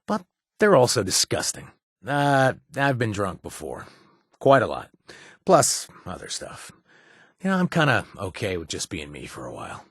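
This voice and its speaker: An actor playing a wry, self-deprecating former raider turned bartender in a video game, halting with fillers in a husky voice. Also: male voice, on the low side, huge pitch swings, no room sound, clean studio sound, heavily acted. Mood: easygoing, wry. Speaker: game companion character. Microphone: studio mic.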